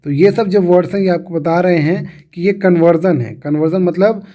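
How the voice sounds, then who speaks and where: Male teacher, slightly high, mellow tone, patient, repeats points for students. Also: normal speed. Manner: repeats and restarts words, asks the class questions. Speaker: English teacher. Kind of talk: explaining grammar to students.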